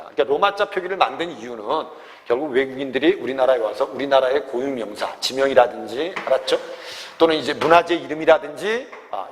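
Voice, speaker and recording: Teaching exam grammar, this Korean language teacher has a slightly high, fairly bright voice with a big-room sound and a little hiss or hum. He keeps asking whether students understand and speaks of himself as "teacher."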